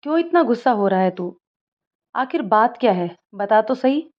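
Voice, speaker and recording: A woman's voice: fairly high pitch, expressive, normal speed, close to an everyday voice. A woman voicing a young man who teases and presses his friend, on a slightly dull recording. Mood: teasing.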